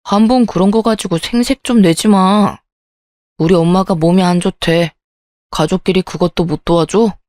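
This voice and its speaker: A woman's voice: lowish voice, fairly even intonation, moderate pace, darkish tone, no room sound, studio quality, close to an everyday voice. A woman doing a dismissive young husband. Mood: irritated. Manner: offhand and brushing off complaints.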